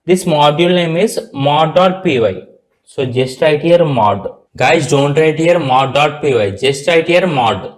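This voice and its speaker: Indian accent guy doing a coding tutorial, kinda high voice, repeats stuff, explains each step. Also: lively intonation, unhurried. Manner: repetitive, instructional, spells terms out letter by letter. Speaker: programming tutor.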